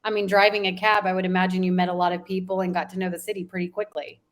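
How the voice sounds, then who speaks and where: A woman's voice: lowish voice, little pitch movement, rapid-fire. A woman hosting a business interview show, encouraging and enthusiastic with her guest. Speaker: podcast host, interviewer.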